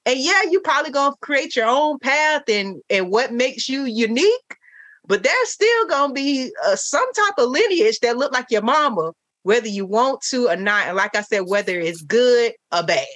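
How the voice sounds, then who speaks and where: A woman's voice: fairly high pitch, sing-song, moderate pace, fairly bright tone, dry recording. A woman in casual faith-based conversation, reflective and full of "you know" and "like", with an African American accent.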